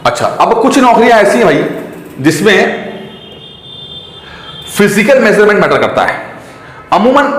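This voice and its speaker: A man teaching exam aspirants, chatty and repetitive, mixing English terms into his talk. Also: on the high side. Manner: chatty, repeats points, mixes English terms into Hindi. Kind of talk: explaining exam rules to students. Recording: echoey room with long reverb.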